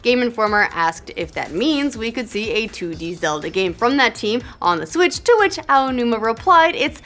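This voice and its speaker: A woman's voice: a little high, very animated, normal speed, fairly bright tone, soft background music. Upbeat woman hosting gaming news. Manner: upbeat, jokey asides. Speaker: news show host. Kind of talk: scripted gaming news read with asides.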